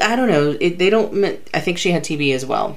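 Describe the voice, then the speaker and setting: A woman speaks with an American accent. Noticeable background noise runs underneath. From Carolinas, US South. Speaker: podcast host. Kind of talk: casual chat.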